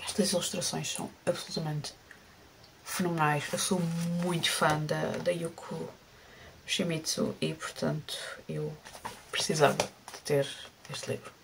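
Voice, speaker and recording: A woman's voice: deep voice, level tone, unhurried, creaky, background noise. A woman with a European Portuguese accent chatting casually and unscripted about books, hesitating and rephrasing as she goes. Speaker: book vlogger. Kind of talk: casual unscripted book chat.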